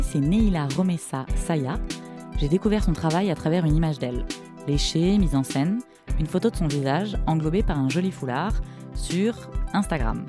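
A woman hosting a podcast, calmly reading a scripted, reflective narration. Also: deep voice. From partly Morocco. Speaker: podcast host.

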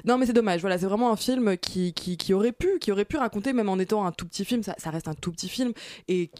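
A woman's voice: medium pitch, quick pace, a little mellow, no echo, studio quality. A woman chatting casually as a film panellist, rambling and circling back over her phrases. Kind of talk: casual chat film critique.

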